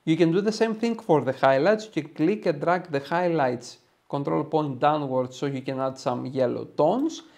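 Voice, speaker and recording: A man's voice: fairly high pitch, warm tone. A man in his thirties with a Greek accent, giving an enthusiastic step-by-step tutorial to viewers. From Greece. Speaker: photo editing tutorial host. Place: small room, home studio.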